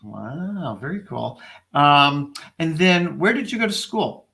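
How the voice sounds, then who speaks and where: A man's voice: on the high side, big pitch swings, slow pace, gravelly, sharp tone. A man hosting a casual interview, upbeat and encouraging as he asks his guest questions. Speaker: host.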